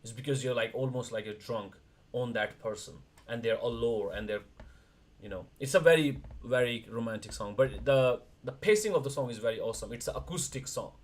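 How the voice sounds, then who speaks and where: Quick, rambling man on a livestream. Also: mid-range voice. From India. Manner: rambling, quick bursts with restarts. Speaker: streamer, wrestler co-host. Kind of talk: casual livestream chat.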